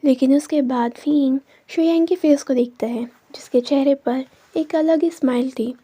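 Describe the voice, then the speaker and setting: High, mellow woman telling a story. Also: normal speed. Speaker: fanfiction narrator. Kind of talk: storytelling narration.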